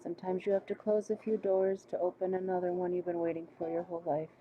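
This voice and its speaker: A woman hosts a relaxed livestream, chatting easily and reading viewers' comments aloud between bursts of laughter. Her voice is small and a little squeaky, yet it sits on the lower side. The stream audio is slightly muffled and lo-fi, with a faint hiss underneath. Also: fast. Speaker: livestream host. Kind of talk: casual livestream chat.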